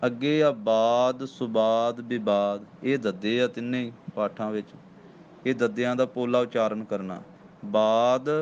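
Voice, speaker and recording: Man, Punjabi accent, recitation teacher, slow and patient, dull lo-fi sound, faint background hum. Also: mid-range voice, a little mellow. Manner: patient, corrects word by word, slow chanted demonstration. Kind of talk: line-by-line pronunciation lesson. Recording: dull lo-fi recording with faint ambience.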